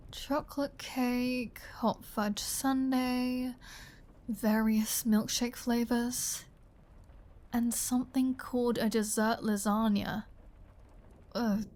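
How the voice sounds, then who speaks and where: A woman's voice: medium pitch, darkish tone, close to an everyday voice. A woman playing a flirty, teasing vampire with a sardonic, caring streak in an intimate ASMR roleplay, often dropping toward a whisper. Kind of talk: ASMR roleplay audio drama.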